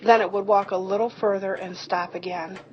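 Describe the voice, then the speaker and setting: A friendly rural woman acted by a woman in an audio drama, giving her account as an eyewitness. She speaks in a folksy, descriptive way at a middling pitch. The recording is dull and carries some faint noise. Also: steady tone, moderate pace, natural voice. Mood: earnest, awed. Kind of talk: amateur audio drama acting. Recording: muffled, noisy home recording.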